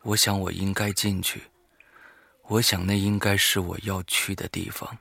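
A man talking informally and haltingly to listeners as the host of a horror story show, alone in a studio. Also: low-pitched, little pitch movement, gravelly, pushed and bright, no room sound. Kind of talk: informal spoken monologue to listeners.

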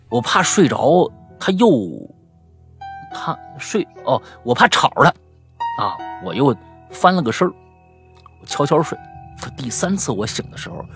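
A man hosting a podcast and reading out listener stories in a chatty, animated way, dropping to hushed tones for the eerie parts and breaking off with jokey asides. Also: a little high.

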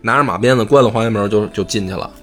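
A man who hosts a podcast, retelling a classic novel in animated, colloquial chat and swearing freely. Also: fairly low pitch, racing, faint music behind. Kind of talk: casual storytelling chat.

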